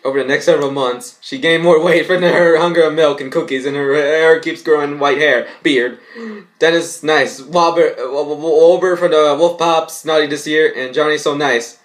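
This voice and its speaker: A young man reads a story aloud and comments on it, haltingly, often tripping over his words. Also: fairly high pitch, fairly even intonation. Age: young adult. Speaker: vlogger. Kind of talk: reading fan fiction aloud with mocking commentary. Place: small bedroom indoors.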